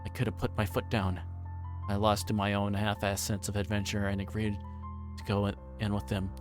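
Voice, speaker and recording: A man livestreaming a game, reading aloud and chatting in a halting way, stumbling over words. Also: fairly low pitch, monotone, music in the background. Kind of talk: reading a visual novel aloud and chatting with stream viewers. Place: livestream with music playing behind.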